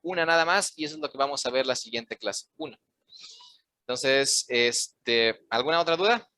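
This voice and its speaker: A man's voice: medium pitch, expressive, moderate pace, sharp tone, no echo. A man teaching a language class, explaining grammar points and checking whether students understood. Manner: switches between Spanish explanations and simple classroom English. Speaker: English teacher. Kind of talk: online class instruction.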